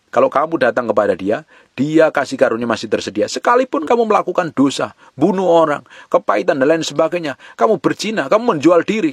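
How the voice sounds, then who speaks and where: A man preaching a sermon with passion, calling out to the congregation and slowing down to stress key phrases. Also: fairly high pitch, no echo, studio quality. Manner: impassioned preaching, calls out to the congregation. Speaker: pastor.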